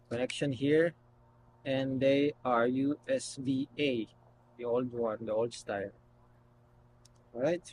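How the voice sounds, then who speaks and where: A man hosting a casual unboxing video, talking haltingly as he thinks aloud while handling things. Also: mid-range voice, slight background noise, poor audio. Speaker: video host.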